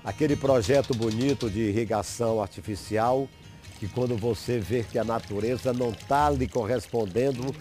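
A man's voice: medium pitch, moderate pace, dark tone, soft background music. A man in his fifties hosting a local TV show in a studio, folksy and chatty, on a lapel mic. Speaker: TV show host. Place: TV studio set.

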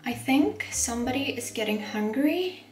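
A woman's voice: high-pitched, expressive, moderate pace, echoey room, faint music behind. A woman in her twenties from Iceland, chatting enthusiastically while cooking in a small home kitchen, with lots of "like" and "honestly". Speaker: lifestyle vlogger. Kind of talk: casual cooking vlog chat.

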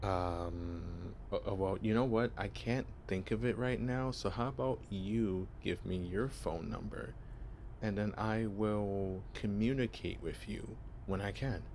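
A bashful young vampire stumbles over his words, deep-voiced and unhurried as he fumbles through a cover story, played by a young man. The delivery is awkward and hesitant, full of nervous restarts. A faint hiss sits under the ASMR audio. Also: a little mellow. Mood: flustered, awkward. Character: shy, clueless young male vampire posing as human. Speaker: voice actor.

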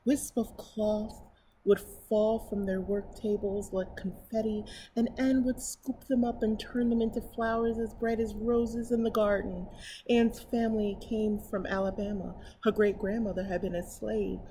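A woman's voice: medium pitch, moderate pace, low-quality recording. A middle-aged American woman reads a picture book aloud at a children's storytime, with enthusiastic, chatty asides. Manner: expressive, enthusiastic, exclaiming. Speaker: library storytime reader. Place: indoors in front of a painted mural. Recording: clear steady background noise.

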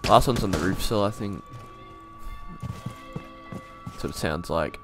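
A man's voice: low-pitched, a little slow, music in the background. A young man giving casual gameplay commentary as a video creator, laid-back, thinking aloud and swearing now and then. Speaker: gaming YouTuber.

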